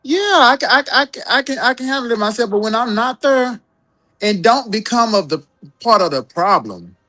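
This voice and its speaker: A trans woman co-hosting a podcast speaks with a fairly high, sing-song voice at normal speed and a fairly bright tone. In a heated, casual group chat she repeats words, curses, and calls the others "girl."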